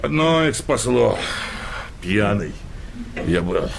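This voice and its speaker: An actor playing a boastful, suspicious working-class husband in a radio comedy, speaking coarse colloquial with a bragging, needling manner. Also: male voice, fairly low pitch, very animated, takes it slowly, creaky, noisy background, heavily acted. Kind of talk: radio comedy play acting.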